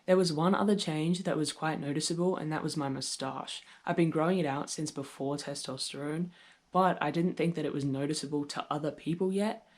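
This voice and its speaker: A young trans man, early in his transition with his voice starting to deepen, speaking candidly and reflectively in a personal video diary with touches of gentle humor. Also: steady tone, a little fast. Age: young adult. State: voice deepening on testosterone. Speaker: vlogger.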